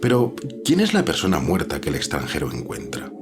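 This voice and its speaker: A calm, analytical editor for audio drama; very deep, animated pitch, noticeable background noise. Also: male voice, full character voice. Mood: curious, analytical. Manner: measured, reflective, reasoning.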